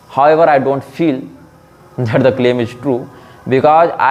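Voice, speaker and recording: Over music in the background, a man talks at a moderate pace and medium pitch with fairly even intonation. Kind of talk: public statement. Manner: formal; careful, not fluent.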